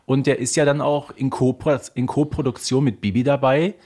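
A man's voice: medium pitch, fairly even intonation, normal speed, a little mellow, husky. A man chatting casually as a podcast guest, making emphatic points and posing rhetorical questions as he explains. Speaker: podcast guest, audio drama collector.

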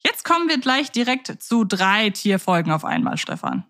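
A woman co-hosting a podcast, talking in a relaxed, thoughtful way and often correcting herself as she goes. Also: mid-range voice. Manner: thoughtful, self-correcting, measured. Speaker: podcast co-host. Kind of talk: casual chat about radio plays.

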